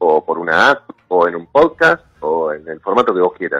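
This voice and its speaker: The recording is dry and close, with no echo. A man talks at a moderate pace in it. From Argentina, Buenos Aires west (Ramos Mejía). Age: 40s. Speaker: radio host. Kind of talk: casual interview. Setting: phone call.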